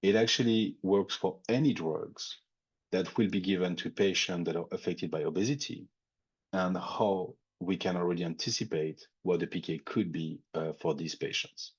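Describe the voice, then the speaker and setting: A man's voice: low voice, normal speed, breathy edge, highs cut off. A man with a French accent presenting a technical webinar, thinking aloud with frequent fillers and restarts. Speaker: industry expert presenting a webinar.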